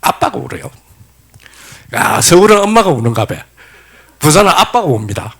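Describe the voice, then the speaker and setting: Pastor preaching animatedly. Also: male voice, a little high, moderate pace, creaky, breathy edge. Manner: animated storytelling, asks the congregation questions; acts out quoted voices. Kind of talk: sermon lecture.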